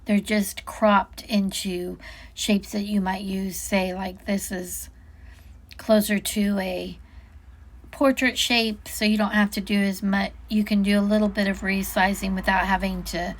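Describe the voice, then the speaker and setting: A woman's voice: mid-range voice, level tone, unhurried. A woman giving a casual, unscripted product walk-through, chatting and musing aloud as she goes, often interrupting herself.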